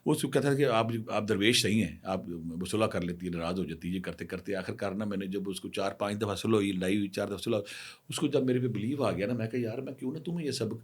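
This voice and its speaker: Husky middle-aged man telling cautionary tales. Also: fairly low pitch. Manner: anecdotal, emphatic, speaks straight to women viewers. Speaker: spiritual healer giving marriage advice. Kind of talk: storytelling advice talk.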